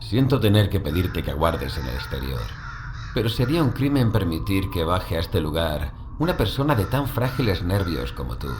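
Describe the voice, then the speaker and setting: An actor playing a calm, condescending investigator of the occult in a horror audio drama, speaking formally and unperturbed. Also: male voice, low-pitched, moderate pace, background noise.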